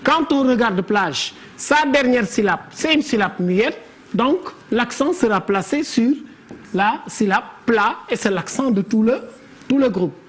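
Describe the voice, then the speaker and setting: A woman's voice: fairly high pitch, lively intonation, a little slow. A woman teaching a classroom lesson on verse. She explains step by step and calls on pupils by name. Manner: didactic, questions pupils by name.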